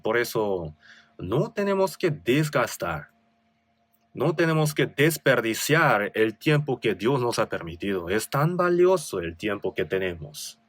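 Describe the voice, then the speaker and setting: Preaching man, lively pitch, Korean accent. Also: measured pace. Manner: preaching with rising emphasis on scripture readings; rhetorical tag questions. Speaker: pastor. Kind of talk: sermon.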